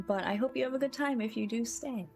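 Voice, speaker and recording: Her voice sits a little high and has a darkish tone. She's a game livestreamer chatting effusively and casually with her viewers, often thanking them, while music plays behind her.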